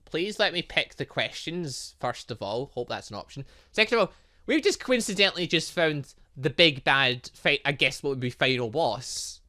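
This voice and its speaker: A man's voice: fairly high pitch, expressive, normal speed, pushed and bright. A man hosting a game playthrough, reading dialogue aloud and commenting in a theatrical, exclamatory way. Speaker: gaming video host.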